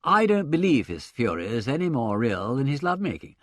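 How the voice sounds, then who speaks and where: A man doing a cultured, thoughtful gentleman. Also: mid-range voice, big pitch swings, fairly quick, dry recording, clean studio sound, voice pushed up.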